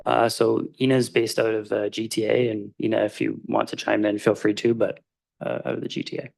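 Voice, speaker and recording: A man's voice: on the low side, flat delivery, a little fast, gravelly, darkish tone. A man, a planning consultant, formally answering council questions and addressing the chair, with frequent hesitations.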